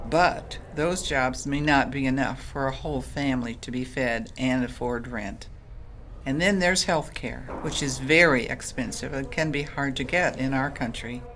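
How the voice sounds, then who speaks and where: An actress playing a kindly, patient Catholic sister in an audio drama, explaining things gently. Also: female voice, very deep voice, a little hiss or hum.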